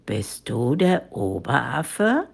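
Tigress mother female reader, storybook: haughty, irritated, hissing menace, unhurried delivery. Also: extremely low pitch, sing-song, gravelly, breathy edge, pitched below the performer's own voice, heavily acted. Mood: menacing. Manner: slow, hissing, threatening.

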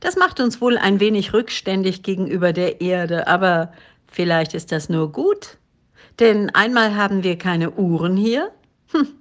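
A woman reading the part of a kindly, humorous, ageless male spirit guide in an audiobook, in a gentle, teasing, patient way. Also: medium pitch, lively intonation, a little slow, natural voice. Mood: gently amused.

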